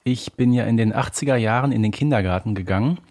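A man's voice: medium pitch, fast, a little mellow. A man in his forties from Germany, chatting casually as a podcast co-host. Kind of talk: casual conversation.

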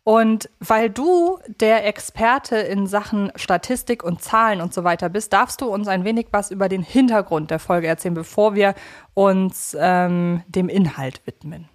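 A woman's voice: mid-range voice, a little slow. A woman hosting a podcast in a conversational style. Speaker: podcast host.

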